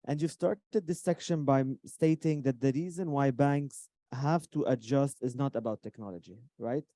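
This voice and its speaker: A man's voice: mid-range voice, moderate pace, dark tone, no echo, studio quality. A man moderating a talk, asking questions with a few stumbles and restarts. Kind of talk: interview questions.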